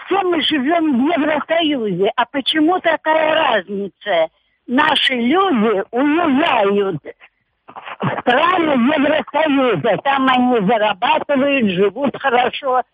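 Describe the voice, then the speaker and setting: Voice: high voice, lively intonation, takes it slowly, dry recording. A radio caller asking a plain, complaining question over a landline phone. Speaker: radio call-in listener. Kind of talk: call-in question. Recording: dull, dry phone line.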